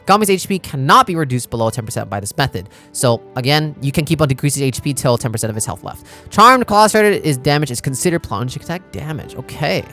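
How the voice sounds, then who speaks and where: A man's voice: mid-range voice, very animated, quick pace, hardly any pauses, bright, forceful tone. A man doing casual gaming reaction commentary as a YouTuber, informal and slangy, thinking aloud as he goes. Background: background music.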